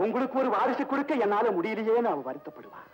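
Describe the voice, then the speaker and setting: Middle-aged husband, earnest pleading tone, lively high voice, old film track with music. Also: male voice, fast talker, rough recording. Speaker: grieving husband. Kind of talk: 1970s film drama acting.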